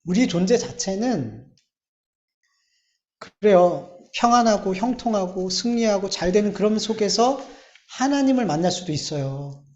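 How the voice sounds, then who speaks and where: High-voiced pastor preaching in an echoey hall. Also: male voice, animated, a little mellow. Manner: emphatic preaching with drawn-out pauses and rising bursts. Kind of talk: sermon. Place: church sanctuary. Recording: echoey church hall, slightly dull sound.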